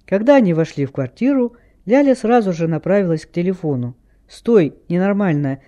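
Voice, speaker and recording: A man narrating an audiobook in a lively manner, shifting his voice for each character. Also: high-pitched, fast, dull audio. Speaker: audiobook reader.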